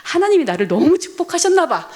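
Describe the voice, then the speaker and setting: Brief: tender, admiring husband, played by a woman preacher, high-voiced and animated. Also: fast. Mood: adoring. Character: adoring husband praising his wife.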